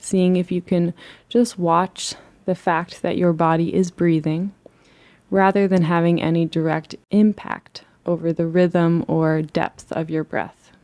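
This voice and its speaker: A woman leading a guided relaxation as a meditation teacher, speaking in a soothing, gentle and unhurried way. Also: lowish voice, flat delivery.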